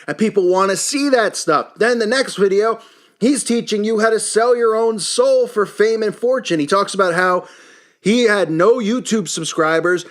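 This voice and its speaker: A man's voice: high-pitched, normal speed. A man delivers an indignant, emphatic, unscripted opinion rant as a commentary host. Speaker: YouTube commentary channel host.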